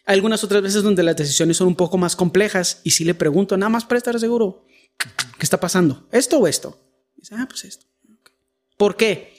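A man's voice: high-pitched, fairly quick. A Mexican man with a Mexican Spanish accent, chatting casually about faith and slipping in joking, self-deprecating asides.

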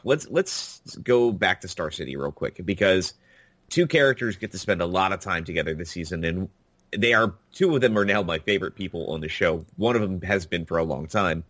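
A man's voice: low voice, a bit bright, no room sound. A man co-hosting a podcast, chatting casually and enthusiastically about TV episodes, with lots of fillers. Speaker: podcast co-host. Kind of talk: casual TV review chat.

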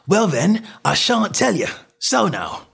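A man's voice: fairly high pitch, very animated, measured pace, voice pushed up, heavily acted. A man voicing a cocky, stubborn, snappish poultry salesman in a story reading, with combative colloquial talk. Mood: angry, pestered.

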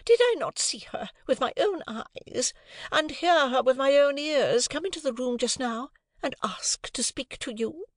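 A man reading an audiobook, voicing a haughty, self-pitying lady of the house in a shrill, indignant, pompous way. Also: lively intonation, measured pace, no echo.

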